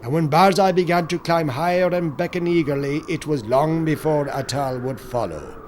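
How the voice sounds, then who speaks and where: A man's voice: fairly high pitch, moderate pace, darkish tone, slight background noise. A man narrating a scripted horror audiobook in a solemn, theatrical storytelling manner.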